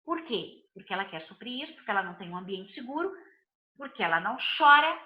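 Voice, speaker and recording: A woman's voice: medium pitch, very animated, quick pace, sharp tone, reverberant, low-quality recording. A woman with a Brazilian Portuguese accent, a body and behavior analyst giving a live talk to viewers, speaking emphatically in repeated lists of phrases.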